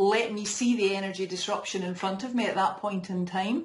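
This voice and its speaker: This woman's pitch sits in the medium range with ordinary variation. She talks at a moderate pace. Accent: Scottish. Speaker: EFT practitioner. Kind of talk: interview.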